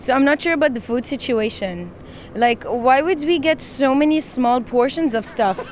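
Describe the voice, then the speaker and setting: With crowd noise in the background, a woman talks at a moderate pace in a high pitch, keeping her loudness very even and her pitch variation ordinary. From Palestine. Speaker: travel YouTuber, former TV presenter. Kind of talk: casual chat. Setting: passing one shared mic at a creator summit.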